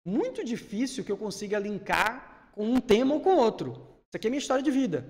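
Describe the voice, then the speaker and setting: A man from Salvador, teaching public speaking in an energetic, emphatic way. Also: sits high. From Salvador, Brazil. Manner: energetic, emphatic, rising bursts when he gets worked up. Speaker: speaking coach. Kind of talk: instructive conversation. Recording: long hall reverb.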